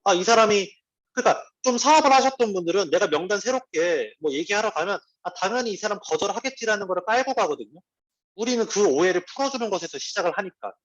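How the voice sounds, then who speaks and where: Lively man giving a business talk. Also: high voice, dull audio. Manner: conversational, lively, personal asides. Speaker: network marketing team leader.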